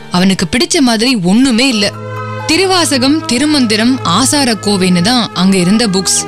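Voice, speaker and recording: A woman narrating a radio drama with expressive storytelling. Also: a little high.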